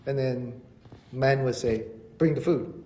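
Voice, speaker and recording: A man preaching a sermon in Korean and English, asking the congregation rhetorical questions and then restating each point slowly in English. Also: medium pitch, mellow. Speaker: pastor. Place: church sanctuary. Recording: echoey church hall.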